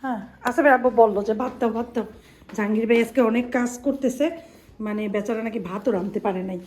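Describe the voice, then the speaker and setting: A Bangladeshi woman in her thirties, a home vlogger, chats casually to the camera and her family while cooking and doing chores in her kitchen. Her slightly mellow voice is on the high side and she talks fast, captured in a rough recording.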